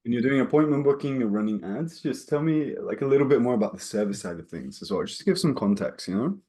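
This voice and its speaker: A man hosts a relaxed interview in a chatty, friendly way. He asks loose questions full of fillers and drops casual swear words. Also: mid-range voice, fast. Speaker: interview host.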